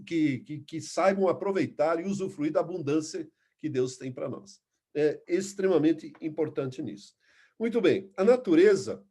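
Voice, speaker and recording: A man's voice: fairly high pitch, dark tone. A man teaching a Bible lesson, earnest and emphatic, stopping to restart words and reading scripture aloud. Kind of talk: Bible class lecture.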